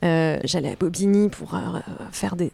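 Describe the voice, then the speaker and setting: A woman with a fairly low pitch and ordinary pitch variation speaks in a dark, mellow tone. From western France, Les Sables-d'Olonne. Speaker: artist and photographer. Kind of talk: interview. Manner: hesitant, many fillers.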